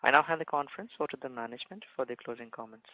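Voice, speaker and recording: A man working as a conference call operator, making brisk, formulaic announcements between questions. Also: mid-range voice, expressive, dry recording. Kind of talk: scripted call moderation. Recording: dull, dry call line.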